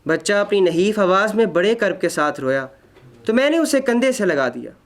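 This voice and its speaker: A man narrating a literary short story in an expressive, measured, dramatic reading style. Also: high voice.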